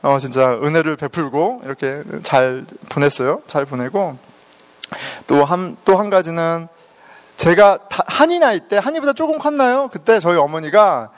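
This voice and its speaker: Animated Korean man, long hall echo. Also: fairly high pitch, normal speed. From South Korea. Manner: animated storytelling, laughing often. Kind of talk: personal testimony.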